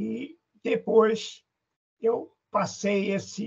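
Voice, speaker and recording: Here a man talks with a high pitch. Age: 80s+. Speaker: educational consultant. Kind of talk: radio interview.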